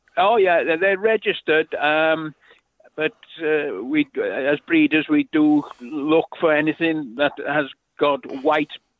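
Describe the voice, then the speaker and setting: With a North Welsh accent, a man talks at a very slow pace, his fairly high pitch showing ordinary variation. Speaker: cattle breeder. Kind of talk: interview. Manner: halting.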